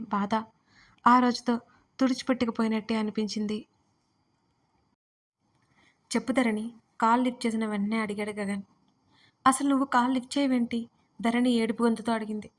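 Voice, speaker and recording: A woman narrates a romance audio story with a steady, even delivery. Her voice sits somewhat high. She keeps the melody flat, with little rise and fall.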